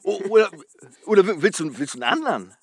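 A man's voice: sits high, very animated, quick pace, husky, dry recording, studio quality, full character voice. A troubled, stammering father. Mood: forced cheer. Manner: stammering and restless. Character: troubled husband and father, erratic. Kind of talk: film drama acting.

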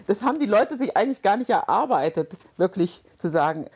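A woman's voice: medium pitch, big pitch swings, a little mellow, breathy edge, muffled recording. A woman from Germany, an interview guest, speaking reflectively with frequent hesitations and small laughs. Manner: reflective, hesitant with fillers, quick light laughs.

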